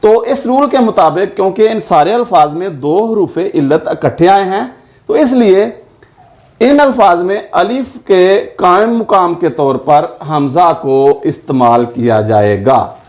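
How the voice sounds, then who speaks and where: A man teaching a grammar lesson, spelling words out letter by letter and repeating each example slowly. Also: sits high, animated, darkish tone.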